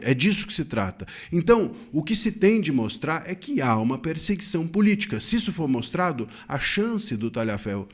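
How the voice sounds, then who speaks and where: Emphatic Brazilian man with a lively voice. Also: mid-range voice. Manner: earnest, emphatic, with frequent self-corrections and restarts. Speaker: legal commentator. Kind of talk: solo commentary to camera.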